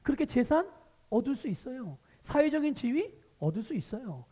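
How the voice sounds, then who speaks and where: A male pastor preaching a Sunday sermon, animated, asking the congregation rhetorical questions. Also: very high voice, a little fast, breathy edge, long reverb tail. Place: church sanctuary.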